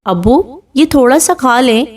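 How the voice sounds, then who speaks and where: A woman's voice: high voice, lively intonation, voice pushed up. A woman voicing a caring daughter who speaks sweetly and playfully to her ailing father in a storybook reading.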